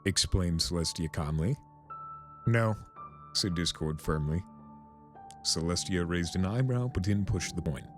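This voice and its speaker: A man's voice: deep voice, normal speed. A man reading scripted fan fiction as the narrator. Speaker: story narrator. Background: music.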